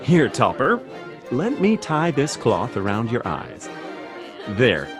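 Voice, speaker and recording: Effusive, animated young nephew. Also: male voice, medium pitch, takes it slowly, music in the background, crowd noise. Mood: delighted welcome. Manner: effusive, welcoming. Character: hospitable younger nephew hosting a Christmas party. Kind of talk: theatrical radio play acting.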